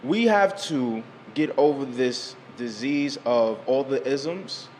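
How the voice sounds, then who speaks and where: A man's voice: medium pitch, lively intonation, slow, a little mellow, slight background noise. A man in a casual group debate, insistent and repeating his phrases for emphasis.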